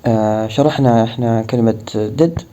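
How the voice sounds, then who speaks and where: A man whose first language is Arabic gives a language lesson in a mellow, warm voice. He says each English example slowly and deliberately, then explains it. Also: mid-range voice, lo-fi sound, a little hiss or hum. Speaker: English teacher.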